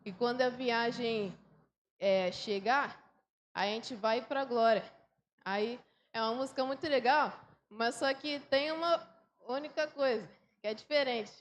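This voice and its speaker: A woman's voice: on the high side, unhurried. A Brazilian woman missionary teaching a congregation a song, chanting and clapping out the rhythm as she demonstrates. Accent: Brazilian Portuguese. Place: church sanctuary. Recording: echoey church room, faint noise.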